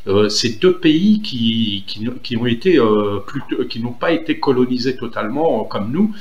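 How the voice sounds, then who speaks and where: A man's voice: mid-range voice, expressive, normal speed, echoey room, lo-fi sound. A man from Algeria speaking in a casual, earnest monologue, hesitant with many fillers and restarts. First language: Algerian Arabic (Derja). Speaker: political commentator.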